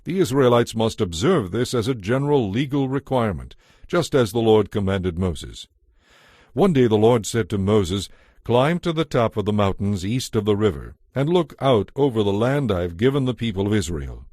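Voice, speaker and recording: A man giving a measured, formal narration of scripture from a script. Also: on the low side, big pitch swings, darkish tone, no room sound, studio quality. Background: music.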